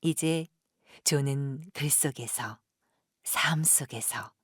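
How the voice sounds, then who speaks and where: A woman narrating a literary audio drama in a hushed, solemn, lyrical manner with a breathy voice. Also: very deep voice, takes it slowly, dry recording, studio quality.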